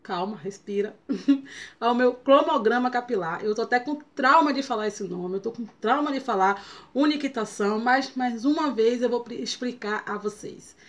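A woman's voice: fairly high pitch, normal speed. A young Brazilian woman with a tongue-tied speech impediment, giving a casual, playful product review and stumbling over harder words. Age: young adult. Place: small bedroom, indoors.

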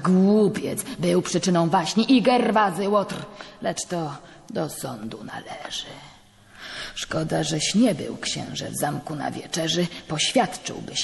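Brief: a woman voicing a blustering, shouting male judge, rough-edged voice, long hall reverb. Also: deep voice, full character voice. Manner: indignant, shouting, stamping. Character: hot-tempered middle-aged male country judge.

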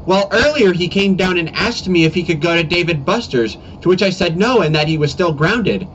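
Stern, easily exasperated animated dad, played by a man, lively intonation, dull webcam sound with light hiss. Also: sits high, a little fast. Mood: indignant. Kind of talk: amateur comedy animation voice-over. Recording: muffled, noisy cheap webcam mic.

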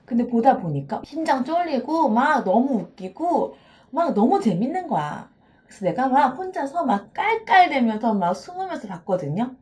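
A woman counseling psychologist giving a playful, expressive video lecture, acting out little dialogues as she explains. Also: high-pitched, normal speed. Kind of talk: video lecture on self-esteem.

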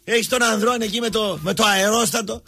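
A man hosting a sports talk show, ranting sarcastically and mocking people, going from loud outbursts to low muttering. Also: fairly even intonation, breathy edge. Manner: sarcastic, mocking, switches between shouting and muttering. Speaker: radio sports talk host. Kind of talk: ranting monologue.

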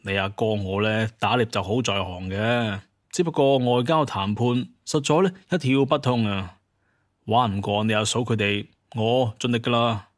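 A man's voice: fairly low pitch, moderate pace, no room sound, clean studio sound, natural voice. A man with a Cantonese accent voicing a glib, shameless hunter chief in an audio drama, wheedling and making excuses. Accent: Hong Kong or Guangdong Cantonese.

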